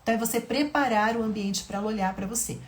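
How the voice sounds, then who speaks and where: A woman in her thirties teaching a lesson on parenting to mothers, explaining step by step with frequent checking questions and acting out gentle talks with a child. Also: a little high, fast talker. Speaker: parenting educator.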